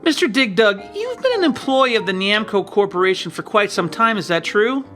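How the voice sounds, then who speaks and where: An excitable cartoon mouse cop. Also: male voice, high-pitched, moderate pace, soft background music, heavily acted. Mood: excited. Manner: excitable, bursts of shouting. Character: eager excitable cartoon police mouse, security chief. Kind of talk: cartoon voice acting.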